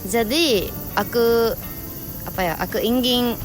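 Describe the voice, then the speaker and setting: A Japanese woman speaking Indonesian as a foreigner with a Japanese accent, in simple, halting phrases in a casual interview. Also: a little high, over music.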